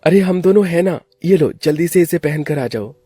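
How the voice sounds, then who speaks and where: A man voicing a smooth-talking young lover in a cartoon, coaxing and persuasive. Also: on the high side, normal speed, dark tone, no echo, soft background music, voice pushed up.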